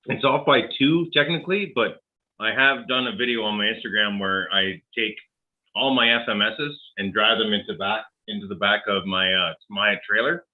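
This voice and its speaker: A man's voice: lowish voice, normal speed. A man in his forties from Canada, chatting casually in a rambling, self-deprecating way, with a dusty cough in his throat. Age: 40s. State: coughing, sore lungs from dust. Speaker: host. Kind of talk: casual chat. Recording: tinny phone-like call audio.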